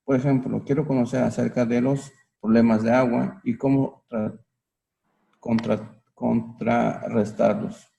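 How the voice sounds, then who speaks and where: A man's voice: mid-range voice, steady tone, unhurried, vocal fry, warm tone. A man answering a teacher's questions in class, thinking aloud as he explains his answers. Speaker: student.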